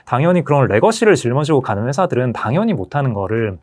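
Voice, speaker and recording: A man who heads an asset management firm, explaining markets and technology as an interview guest in a measured, explanatory way. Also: medium pitch, very animated, a little mellow.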